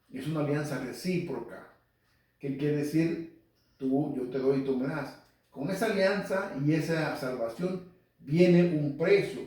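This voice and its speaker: A man gives an earnest, conversational Bible talk on the radio, repeating points and speaking straight to his listeners. His voice is mellow and warm. He sits well back from the microphone, and the room sounds very echoey. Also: medium pitch. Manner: earnest, repetitive, addresses listeners directly. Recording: very echoey, speaker far from mic.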